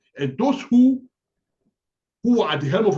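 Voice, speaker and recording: A passionate tone at a fairly quick pace, with very wide pitch swings. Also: man. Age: 60s. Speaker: political commentator. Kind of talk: town hall discussion. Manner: halting, repetitive.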